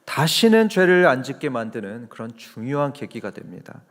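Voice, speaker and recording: A man's voice: big pitch swings, normal speed. A man pastor preaching a sermon, often asking the congregation questions and answering them himself, sometimes acting out quoted voices. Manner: acts out quoted voices with raised pitch. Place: church sanctuary. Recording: long hall reverb.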